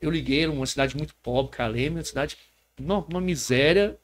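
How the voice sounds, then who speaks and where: A man's voice: a little high, a little fast. A man with a Brazilian Portuguese accent, a pastor earnestly telling a personal testimony as a podcast guest, often tagging his sentences with a question. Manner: earnest storyteller, often adds a tag question.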